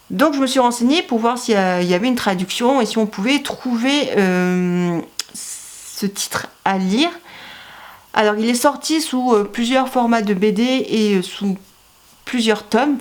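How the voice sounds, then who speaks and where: A young woman talking casually about her autumn reading list for her channel, pausing often with fillers and sounding eager about the books. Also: medium pitch. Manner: hesitant, many "euh" fillers, enthusiastic. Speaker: book vlogger. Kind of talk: casual book haul vlog.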